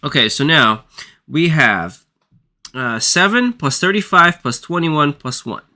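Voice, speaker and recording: Male math tutor, under the weather and losing his voice; slow, halting delivery, bright tone. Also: fairly high pitch, expressive. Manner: halting, apologetic, thinks aloud. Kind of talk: working textbook problems aloud.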